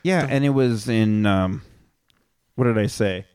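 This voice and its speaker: A man from Canada hosting a casual comedic podcast, deadpan, trading crude jokes and reading facts aloud. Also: on the low side, measured pace, smooth, no room sound, clean studio sound. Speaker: podcast host.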